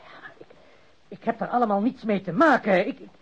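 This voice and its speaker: An actor playing an evasive, nervous crook in a radio play, indignant and pleading, given to stammering. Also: male voice, high voice, a little fast, a bit bright, breathy edge, heavily acted. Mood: flustered, pleading. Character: cornered male crook, protesting his innocence, evasive, nervous. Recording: dull lo-fi radio recording.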